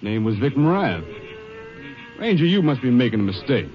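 An actor playing a plain-spoken, protesting cattle buyer in a 1950s radio western. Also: male voice, mid-range voice, sing-song, normal speed, natural voice. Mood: defensive. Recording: dull old radio recording with music.

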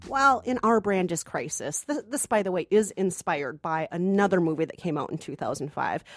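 A woman's voice: lowish voice, lively intonation, normal speed, dry recording, clean studio sound, faint music behind. A woman co-hosting a movie podcast, chatting casually and conversationally with a wry, joking manner. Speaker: podcast co-host, culture producer. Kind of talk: casual movie review chat.

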